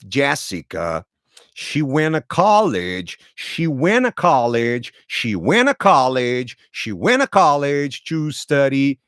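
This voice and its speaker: A native Portuguese speaker in his thirties with a Brazilian accent tells his own story slowly as an English lesson, repeating and rephrasing each sentence for learners. His voice is a little high, and the studio-quality recording has no room sound.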